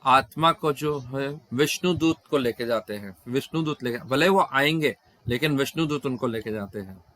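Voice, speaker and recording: This man's voice is medium in pitch and fairly bright, moving at a moderate pace. He is interpreting Q&A at a devotional scripture class held on a video call, repeatedly breaking off and restarting words partway through a phrase.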